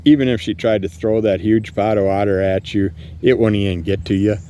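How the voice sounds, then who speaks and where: Man, podcast host, low voice, angry profane rant, outdoors at night, faint background noise. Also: fairly even intonation, brisk, mellow. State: living with multiple sclerosis. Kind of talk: casual solo rant. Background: distant fireworks and passing vehicles.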